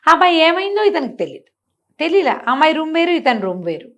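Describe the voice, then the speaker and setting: Older female storyteller, lively and conversational, voice on the high side. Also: quick pace. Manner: chatty, animated, laughs and comments on the story. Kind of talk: oral storytelling with asides.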